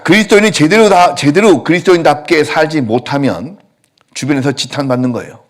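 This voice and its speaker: A male pastor preaching a sermon in a church, telling stories with lively acted-out quotes. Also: mid-range voice. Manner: animated storytelling, acting out quotes. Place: church sanctuary.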